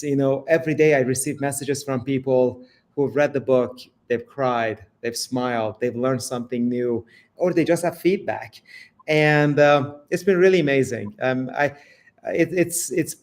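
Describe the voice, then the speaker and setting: A man's voice: medium pitch, a little mellow. A middle-aged man from Iran, a guest author speaking earnestly in an interview and growing emphatic about injustice. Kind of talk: interview conversation.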